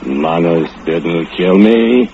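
Menacing foundry laborer, very low voice, broken English, dull vintage radio sound. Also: male voice, takes it slowly, gravelly, slight background noise, full character voice. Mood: mocking. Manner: gloating, menacing, with low chuckles. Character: brooding murderous foundry laborer, middle-aged man. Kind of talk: 1940s radio acting. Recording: dull old radio recording with loud music.

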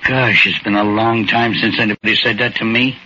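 A man's voice: on the low side, steady tone, brisk, sharp tone. An actor playing a humble, down-on-his-luck man who is shy and grateful. He stammers and speaks politely, in 1940s radio acting. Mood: earnest. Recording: dull lo-fi old radio recording with hiss.

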